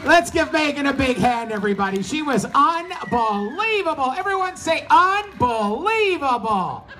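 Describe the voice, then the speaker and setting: Super high sing-songy clown on a fair stage mic, loud music going, getting the crowd to yell. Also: sing-song, normal speed. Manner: high, singsong, hyping up the crowd. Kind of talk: emceeing a children's sing-along. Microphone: handheld mic through a PA.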